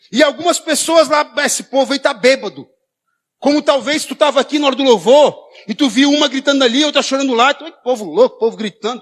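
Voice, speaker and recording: A man with a Brazilian accent preaching a sermon in a church, often shouting and acting out the lines of the people in his story. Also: very high-pitched. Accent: Brazilian Portuguese. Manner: shouting preacher, acts out quoted dialogue. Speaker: pastor.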